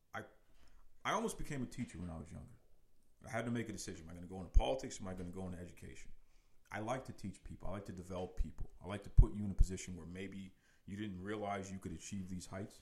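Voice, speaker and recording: Animated in tone, a man with a very deep, low pitch and ordinary pitch variation speaks at a very fast pace, somewhat breathy, with big swings in loudness. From Boston, Massachusetts. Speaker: podcaster and political consultant. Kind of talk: casual interview chat. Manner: animated, showman-like.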